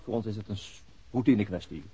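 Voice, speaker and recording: An actor playing a methodical, middle-aged police chief inspector in a radio drama, matter-of-fact and probing, with a husky voice. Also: male voice, lowish voice, fairly quick, dark tone. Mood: polite, official. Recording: dull lo-fi radio drama recording.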